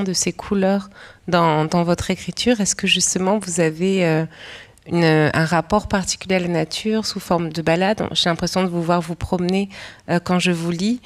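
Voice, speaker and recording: A woman interviewer asking thoughtful literary questions, framing them slowly with fillers. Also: lowish voice. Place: stage at a poetry house.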